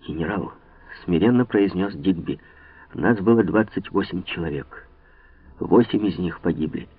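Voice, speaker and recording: A man voicing a blustering male army officer who shouts threats and turns meek, on a tinny, dry recording. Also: fairly low pitch, animated, unhurried, dry recording. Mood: humble apology.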